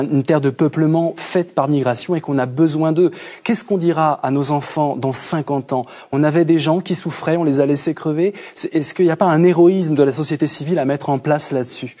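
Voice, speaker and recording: Man guest on a tv news show, mellow voice, lots of ums and restarts. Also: on the high side. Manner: hesitant, many fillers and restarts, earnest. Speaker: guest philosopher and essayist. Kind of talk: studio TV interview. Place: TV news studio.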